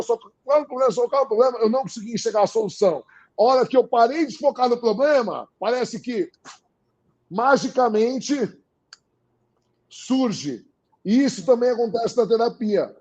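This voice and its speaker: A man with a Brazilian Portuguese accent talks at a fairly high pitch in a dark, mellow tone. He is animated and emphatic, driving his points home by repeating phrases. The recording is a little dull and muffled. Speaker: guest. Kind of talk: casual interview talk.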